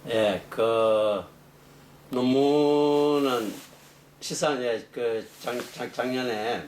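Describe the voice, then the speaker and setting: A middle-aged man, a professor being interviewed, explaining technical matters off the cuff in a halting way. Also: mid-range voice, darkish tone. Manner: halting, explanatory, rephrasing as he goes. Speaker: engineering professor, interview guest. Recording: echoey room, distant mic, faint noise.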